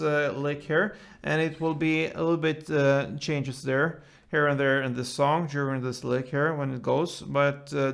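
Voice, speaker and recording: A man with a creaky voice guides a guitar tutorial step by step. He talks slowly and informally, in short phrases with pauses, with light acoustic guitar around his words. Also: mid-range voice. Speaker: guitar teacher, host. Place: indoors, small room, seated with guitar. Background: acoustic guitar playing.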